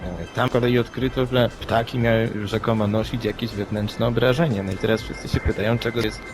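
A man's voice: mid-range voice, fairly even intonation, brisk, background noise. A man co-hosting a podcast, giving commentary in wordy, reflective sentences. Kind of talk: unscripted news commentary. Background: music playing under the voice.

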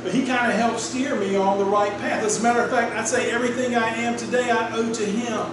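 High-voiced preacher in an echoey church. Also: male voice, steady tone, quick pace. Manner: conversational storytelling preaching, asks the congregation for responses. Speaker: pastor. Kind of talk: sermon. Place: small wood-paneled church sanctuary. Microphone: room mic from a distant camera. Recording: echoey room, distant mic, clear air-conditioner hum.

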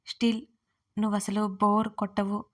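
A woman voicing a teasing but quick-tempered young husband in a romantic audio story, with teasing and then sharply scolding lines. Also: medium pitch, level tone, natural voice.

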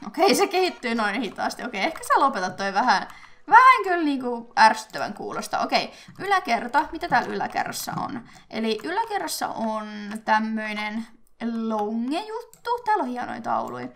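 A young woman from Finland chatting casually as she plays a life-simulation game, thinking aloud with fillers and quick bursts of excitement. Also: fairly high pitch. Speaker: gaming YouTuber. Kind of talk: casual let's-play commentary.

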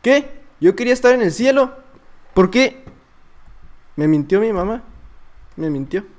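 A man with a Mexican accent voicing a naive, boastful little boy, chattering excitedly through comedic gameplay commentary. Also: high voice, a little slow. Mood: playful. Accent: Mexican Spanish. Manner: childish, excitable, chattering to himself. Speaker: gamer.

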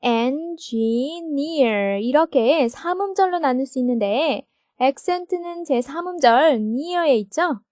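A woman teaching English grammar in a recorded textbook lesson, explaining slowly and checking each point with her listeners. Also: sits high, lively intonation, a little mellow, no room sound, clean studio sound. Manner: slow, explanatory, asks confirming questions.

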